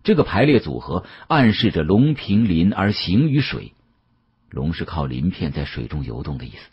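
A man narrating an audiobook as a dramatic storyteller, with an expressive, conversational delivery. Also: low voice, normal speed, husky, highs cut off.

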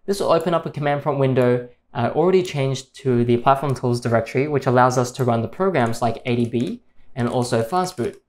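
Speaking a little fast in a mid-range voice, a male tech tutorial host narrates a screen recording, explaining every step with calm assurance.

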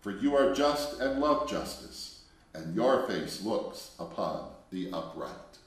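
A man, a religious brother, leading liturgical prayer and reading scripture in a measured, solemn recitation. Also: fairly low pitch. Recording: very echoey room, mic far off.

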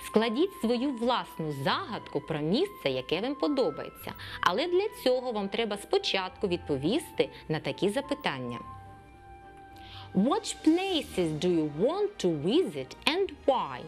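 A woman gives a children's English lesson on TV. She speaks slowly and clearly, with a lively voice that rises and falls. Soft music plays behind her. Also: medium pitch. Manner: slow, clear lesson delivery, mixing English and Ukrainian. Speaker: English teacher.

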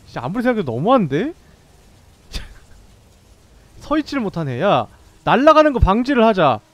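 A young man streaming a game, commenting live and swearing, with sudden yelled bursts. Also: high-pitched, huge pitch swings, normal speed, no room sound. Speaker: gameplay streamer.

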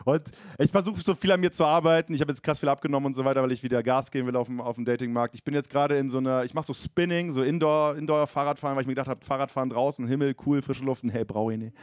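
A man in his thirties from East Frisia performs stand-up into a handheld mic, chatting with the crowd and poking fun at himself. His voice sits a little higher than most men's. The sound is dry and close. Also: no echo. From East Frisia, Germany. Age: 30s. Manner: self-mocking, conversational with crowd. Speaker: stand-up comedian. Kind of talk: stand-up set.

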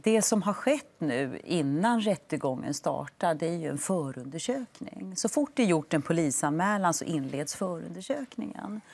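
A woman in her forties, a lawyer and studio guest on a morning TV show, explaining in a measured, firm way on a lapel mic. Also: lowish voice, lively intonation, vocal fry, a little mellow, breathy edge. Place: TV studio set.

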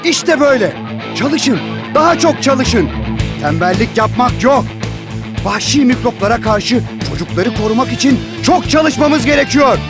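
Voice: mid-range voice, expressive, a little slow. An actor voicing a stern but caring white blood cell army commander in a children's cartoon, giving firm orders. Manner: drill-sergeant orders, firm. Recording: music behind the voice.

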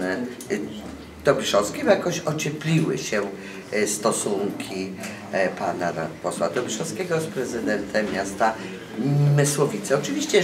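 A woman's voice: rumbling low, noisy background. An older woman journalist giving an indignant statement to camera, asking rhetorical questions with frequent hesitations. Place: court building corridor, indoors. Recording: roomy corridor echo, voices from far off.

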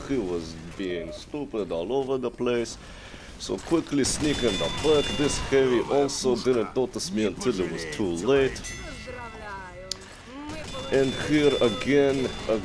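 A man's voice: medium pitch, close to an everyday voice. A man voicing a boastful Russian heavy gunner in broken English with a Russian accent, giving comic commentary on a video game. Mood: boastful, pumped. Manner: broken English, mock-serious bragging. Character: boastful, vodka-loving Russian heavy gunner, big sneaky ninja. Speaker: gameplay commentator. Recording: noisy game sound behind voice. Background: video game combat noise.

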